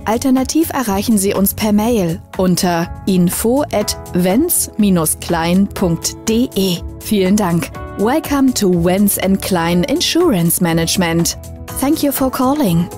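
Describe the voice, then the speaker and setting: A woman speaking a recorded answering machine greeting in a polite, scripted manner, spelling out an email address slowly. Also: mid-range voice, expressive, warm tone, soft background music.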